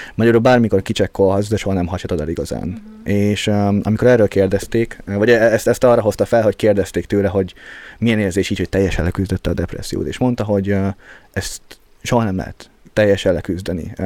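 A man's dark, mellow voice, fairly low in pitch, very fast, with fairly even intonation. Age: 20s. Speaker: podcast co-host. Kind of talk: casual chat.

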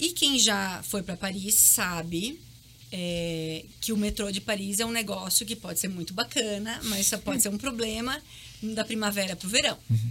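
Ordinary pitch variation marks a woman speaking at a moderate pace. She has a plain, everyday voice. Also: medium pitch for a woman. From Santa Catarina, Brazil (Timbó). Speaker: physician, aesthetic clinic director. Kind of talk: casual interview.

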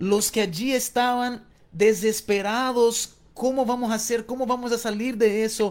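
A man in a Brazilian accent, talking at a very slow pace. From southern Brazil, Florianópolis. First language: Portuguese (speaking Spanish). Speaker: pastor. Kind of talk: sermon.

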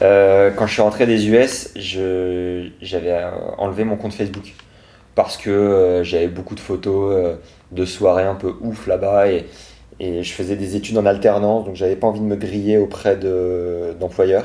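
A dark, mellow voice speaks at a fairly slow pace in a flat monotone. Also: man, fairly low pitch for a man. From France, Nevers (Nièvre). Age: 20s. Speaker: dating coach. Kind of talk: interview.

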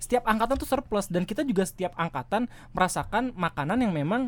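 At a very fast pace, a man talks in a high pitch with lively intonation. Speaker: podcast host. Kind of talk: casual chat.

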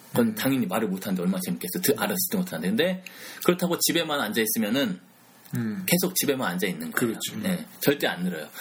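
The speech comes at a very fast pace with very wide pitch swings. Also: man, fairly high pitch for a man. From South Korea. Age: 30s. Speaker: English book author. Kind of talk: casual chat.

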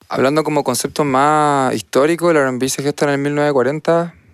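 This man has a fairly high pitch and speaks at a fairly slow pace with monotone, flat intonation. The sound is dry and close with no echo, against a quiet background. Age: 20s. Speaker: music producer and sound engineer. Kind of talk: panel discussion.

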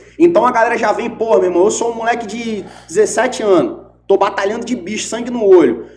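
A man talks at a fairly quick pace in a high voice with ordinary pitch variation. Audible room echo and noticeable background noise surround him. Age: 30s. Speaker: rapper and music producer. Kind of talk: casual chat.

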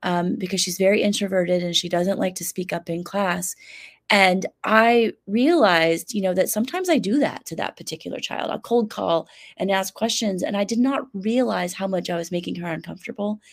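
On a very clean recording with a silent background, a woman with a normal speaking voice talks at medium pitch with ordinary pitch variation. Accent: American. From US. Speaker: math teacher and author. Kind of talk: interview.

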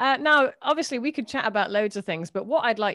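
A woman with an English Midlands accent speaks with very wide pitch swings, and the sound is dry and close with no echo. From England, Coventry. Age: 40s. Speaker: podcast host. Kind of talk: casual chat.

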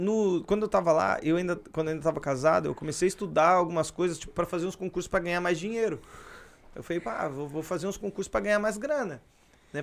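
A man with a high pitch talks at a very fast pace with ordinary pitch variation, in a very clean recording with a silent background. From São Paulo, Brazil. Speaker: comedian and show producer. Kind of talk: casual chat. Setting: studio.

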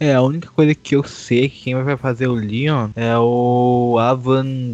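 Using fairly even intonation and a medium pitch, a man has an unremarkable speaking voice. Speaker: podcast co-host. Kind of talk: casual chat.

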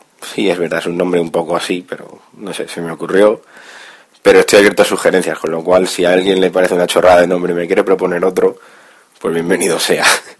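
Noticeable background noise sits behind a man speaking at a very fast pace. His very deep, low voice stays monotone and flat. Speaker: podcaster starting a blog. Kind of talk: casual monologue. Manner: halting, many repetitions.

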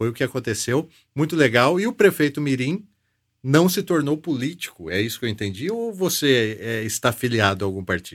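Here a man speaks at a medium pitch with very wide swings. The recording is very clean, with a silent background. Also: moderate pace. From Brazil, São Paulo state interior. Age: 40s. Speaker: podcast host. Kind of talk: casual interview. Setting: studio.

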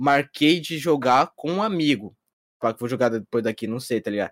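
A man has an ordinary speaking voice with a fairly high pitch and lively intonation. The sound is dry and close, with no echo. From Brazil, São Paulo state interior. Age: young. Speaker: internet video creator. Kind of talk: casual chat.

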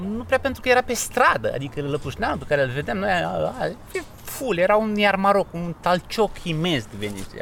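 A man's high-pitched voice at a moderate pace, with very wide pitch swings and noticeable background noise. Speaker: writer and screenwriter. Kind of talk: interview conversation. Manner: halting.

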